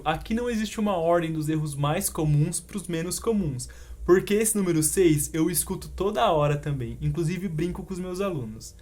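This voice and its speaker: A young Brazilian man with a Brazilian Portuguese accent, giving an online English lesson and slowing down for the English examples. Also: sits high. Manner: animated explaining, slows down for English examples. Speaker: English teacher.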